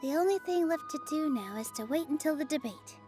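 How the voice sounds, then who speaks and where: An earnest young dancer, with a high, gentle voice. She speaks sincerely and softly, nervous yet brave, over faint game music. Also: lively intonation, fairly quick.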